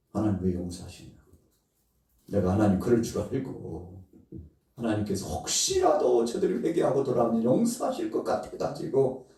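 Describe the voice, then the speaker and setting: A male pastor preaches in a dark, mellow, somewhat low voice that booms around a big reverberant church hall. He sounds set back from the mic, and he acts out the story with sudden loud pleas and quiet asides. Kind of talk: sermon. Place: church sanctuary. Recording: very echoey hall, heard from a distance.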